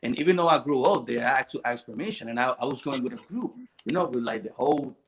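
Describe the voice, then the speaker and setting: Male podcast host, easygoing chatty storyteller, middle pitch. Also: fast talker, vocal fry, slight background noise. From Puerto Rico. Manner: relaxed storytelling with fillers and restarts. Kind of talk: casual chat.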